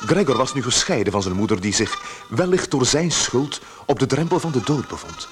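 A man's voice: mid-range voice, sing-song, fairly quick, soft background music. A man giving dramatic scripted narration for a radio play.

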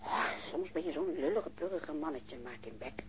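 A woman's voice: sits low, expressive, normal speed. An actress playing a bold, affectionate woman lover in a naturalistic radio play, teasing, blunt and insistent. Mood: exasperated. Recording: dull, noisy old radio recording.

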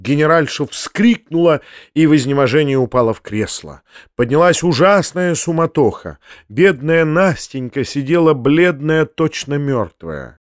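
A male audiobook narrator reading a classic novel with measured expression. His voice sits fairly high for a man and moves at an unhurried pace. The close, dry recording has no room sound. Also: animated, no echo.

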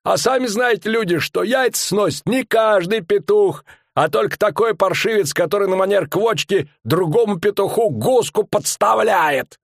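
Loud middle-aged barker, rustic old-fashioned speech, drawn-out showman's patter, high voice. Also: vocal fry, no room sound, clean studio sound. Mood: boastful.

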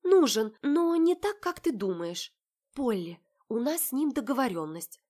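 A woman's voice: on the high side, very animated, measured pace, dark tone, voice pushed up. Woman doing a flustered, pleading sister. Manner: urgent, raised, pleading.

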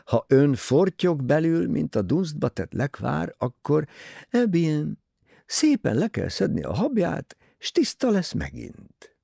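A fussy, soothing older detective, as a man puts him on, his voice swooping high with a gravelly, husky grain. The sound is dry and close. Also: huge pitch swings, dark tone, no echo, exaggerated voice.

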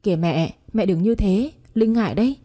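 A gentle, devoted young man speaks softly and reassuringly, as a woman reads him. The voice is mellow and warm, a little breathy. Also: medium pitch, lively intonation, normal speed, close to an everyday voice. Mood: tender.

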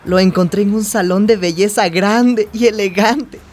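A woman's voice: mid-range voice, normal speed, darkish tone, slight background noise, lightly acted. An actress playing a hopeful young trans woman from a small town, narrating her story earnestly in a radio drama. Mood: earnest, nostalgic. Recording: music bed behind the voice.

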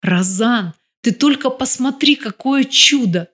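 Sharp-tongued headstrong crime boss, read by a woman. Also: high-pitched, expressive, unhurried, pitched above the performer's own voice. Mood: defiant. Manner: sharp, cutting.

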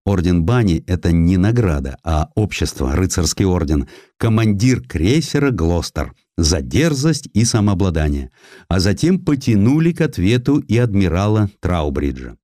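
A man's voice: low voice, normal speed, dry recording, clean studio sound. A man reading historical prose as a dramatic audiobook narrator, telling it expressively. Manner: expressive storytelling, acting out quoted speech.

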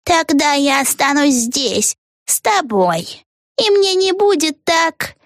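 A woman's voice: high voice, animated, dry recording, clean studio sound, voice pushed up. Woman voicing a sugary scheming old witch. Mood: sugary sing-song. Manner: drawn-out, sing-song, fake tender. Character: scheming old female witch, falsely sweet.

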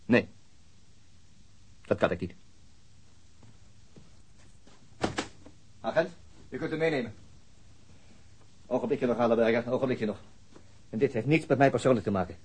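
A man's voice: mid-range voice, brisk, long pauses, a little mellow, slight background noise, close to an everyday voice. An actor in a radio drama playing a stern police detective, curt and controlled as he questions a suspect.

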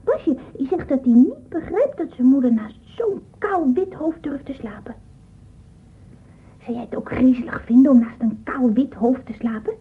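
High, breathy small child. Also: female voice, animated, normal speed, exaggerated voice. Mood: curious, artless. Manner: artless, questioning prattle. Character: small curious child, naive and chatty. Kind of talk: radio play. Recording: muffled, phone-like old radio recording.

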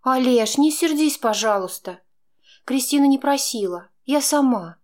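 Женщина играет вспыльчивую молодую девушку. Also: female voice, sits high, lively intonation, darkish tone, pitched above the performer's own voice. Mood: pleading. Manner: indignant, quick to flare up. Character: young woman, heated, defensive girlfriend.

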